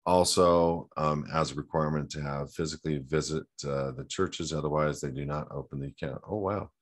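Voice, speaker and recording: Casting note: male host, extremely low voice, relaxed off-the-cuff advice, lots of ums and restarts. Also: a little fast. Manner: loose and conversational, many fillers and restarts. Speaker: host answering a viewer question. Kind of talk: casual advice talk, reading a question aloud then answering.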